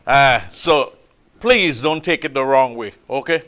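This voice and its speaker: A man preaching a sermon, with a loud, booming, emphatic delivery, speaking into a microphone in a church hall. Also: measured pace. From Trinidad. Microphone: handheld or stand mic.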